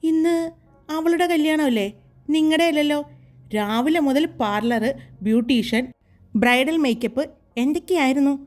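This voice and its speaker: A woman's voice: sits high, a little slow, pauses often, darkish tone. A woman voicing a wry young man who teases in a dry, mocking way, in a story reading.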